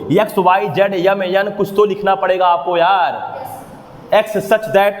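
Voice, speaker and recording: A man teaches maths to a room of students, walking them through each step and stopping to ask them questions. His voice sits fairly high, and it rings in a roomy classroom with a long echo. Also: slight background noise. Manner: explains step by step, keeps asking the class questions. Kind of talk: classroom lesson with motivational asides. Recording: echoey room, long reverb.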